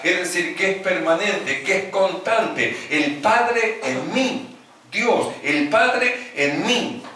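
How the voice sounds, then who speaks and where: A man's voice: sits high, bright, forceful tone, slight background noise. A male pastor preaching a teaching sermon. He repeats his key phrases and keeps calling the listeners brother. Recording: very echoey room, voice from a distance off the mic.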